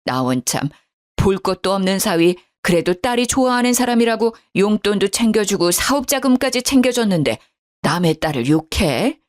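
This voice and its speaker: A woman's voice: medium pitch, sing-song, moderate pace, dry recording, studio quality, natural voice. A woman voicing an indignant middle-aged mother, fretful and outraged, in a storybook narration.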